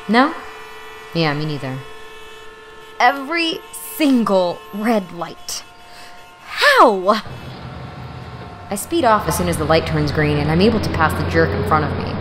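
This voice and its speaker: A broke, exasperated young woman telling her own story in an audio drama. Her delivery is sarcastic and self-deprecating, with highly animated pitch. The voice sits in a long reverb with music clearly behind it. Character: snarky, exasperated 24-year-old woman, broke college student. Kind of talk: first-person audio drama narration.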